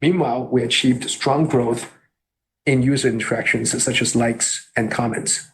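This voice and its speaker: A man reading a scripted earnings call presentation as a company executive, in a formal and measured way. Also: medium pitch, fairly even intonation, low-quality recording.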